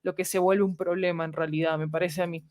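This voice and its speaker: A woman's voice: fairly low pitch, flat delivery, a little fast, a little mellow. Latin American woman explaining in casual conversation. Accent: Latin American Spanish. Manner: explanatory, checks in with tag questions. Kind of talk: casual conversational podcast talk.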